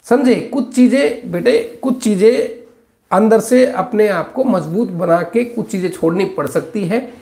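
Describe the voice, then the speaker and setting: A man in his thirties, speaking as a doctor answering viewer questions in a live stream. His voice sits high and his advice comes out blunt and scolding, and he calls his listeners brother and son. It's recorded on a phone close up in a small, echoey office. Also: unhurried, dark tone. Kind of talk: live Q&A consultation.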